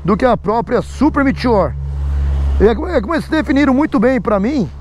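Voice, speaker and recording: A man's voice: very high voice, lively intonation, fairly quick, a little mellow, slight background noise. A man with a Brazilian Portuguese accent chatting casually to his viewers, recorded outdoors in light rain. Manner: chatty, repeats "né?" and "pessoal". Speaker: motorcycle vlogger. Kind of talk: casual vlog talk to viewers.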